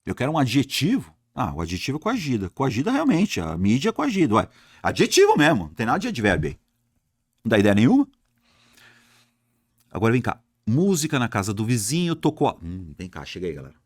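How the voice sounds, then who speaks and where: A man's voice: mid-range voice, quick pace, husky, dry recording, clean studio sound. A man teaching an exam-prep grammar lesson, speaking straight to his students and asking himself questions. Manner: lively, talks to class directly, asks and answers himself.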